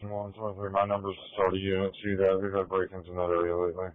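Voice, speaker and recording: A man's voice: low voice, completely flat delivery, quick pace, no room sound. A man making terse unit calls over a two-way emergency radio. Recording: dry, narrow radio channel.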